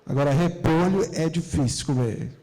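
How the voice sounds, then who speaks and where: A man's voice: on the high side, moderate pace, mellow. A man from Brazil with a Brazilian accent, a pastor giving a fervent sermon that tells a story and keeps addressing the congregation. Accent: Brazilian Portuguese. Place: church hall. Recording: long church hall reverb.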